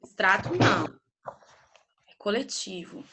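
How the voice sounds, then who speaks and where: A woman's voice: medium pitch, lively intonation, measured pace, noisy background. A woman teaching a primary school class on a video call, patiently drilling grammar terms with her students.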